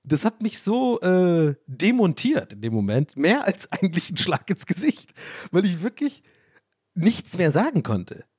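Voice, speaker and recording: An animated man from a German village, rambling through a casual story with self-mocking asides. His pitch is a bit high for a man and swoops around a lot. The sound is close and dry. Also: husky, no echo.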